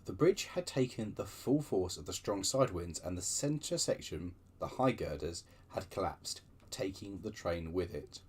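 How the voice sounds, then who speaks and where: A man's voice: low-pitched, unhurried, slightly rough. A man hosting his own channel, reading railway book extracts aloud with chatty asides. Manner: lively storytelling with chatty digressions.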